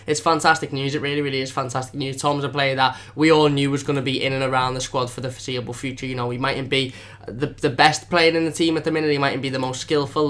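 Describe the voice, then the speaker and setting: A young man with a mid-range, fairly bright voice hosts a casual live stream for a fan channel. He talks fast and rambles with lots of fillers, sounding slightly under the weather.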